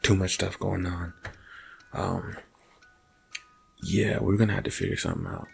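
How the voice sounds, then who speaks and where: A man playing a nervous night security guard in an ASMR roleplay, talking casually and haltingly to his partner and slipping into whispers. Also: low-pitched, little pitch movement, gravelly, breathy edge, full character voice. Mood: drained, subdued.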